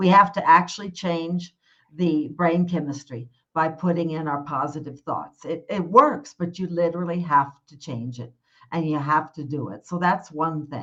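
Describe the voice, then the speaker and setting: Speaking in a plain, everyday voice, a woman goes at a moderate pace, fairly low in pitch with ordinary pitch variation and big swings in loudness. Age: 60s. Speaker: happiness coach. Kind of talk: interview.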